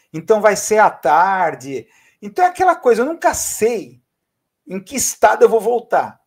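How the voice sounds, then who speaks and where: In a very clean recording with a silent background, a man talks fairly slowly in a high, animated voice whose pitch swings very widely. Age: 60s. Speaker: blogger and live-stream host. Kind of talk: casual live-stream talk. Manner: hesitant with fillers.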